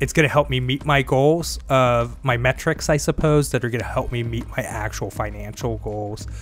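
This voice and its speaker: With music in the background, a man talks with hardly any pauses. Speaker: thrift store reseller vlogger. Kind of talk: casual vlog narration. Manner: fast.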